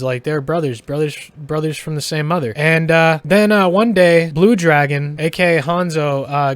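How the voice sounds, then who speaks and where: A young man, plainly drunk, tells a story in a loose, rambling way, circling back over the same points and swearing freely. His voice sits a little higher than most men's. The mic is close and dry, with no room sound. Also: no echo. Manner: slurring, rambling, profane, repeating himself. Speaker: comedic drunk narrator. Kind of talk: rambling comedic retelling over game footage.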